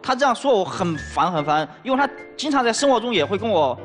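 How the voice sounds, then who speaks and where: A man's voice: high-pitched, sing-song, fast, faint music behind. A man guest on a TV relationship show, defending himself with restarts and stammers. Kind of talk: defensive argument. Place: TV studio stage.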